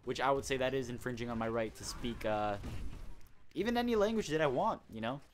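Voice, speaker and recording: A man's voice: mid-range voice, animated, fairly quick, a little hiss or hum. Chatty teenage boy telling a story. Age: teens. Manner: chatty storyteller, indignant, rambling. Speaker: host. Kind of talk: casual gaming commentary chat.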